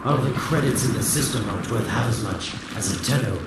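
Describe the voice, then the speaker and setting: An actor playing a smug, scheming video game villain with a sardonic, theatrical manner. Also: male voice, mid-range voice, a little fast, lightly acted. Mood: sly taunting. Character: smug, scheming male villain, slyly taunting and mocking. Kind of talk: video game character acting. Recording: distant, very echoey, over loud game noise.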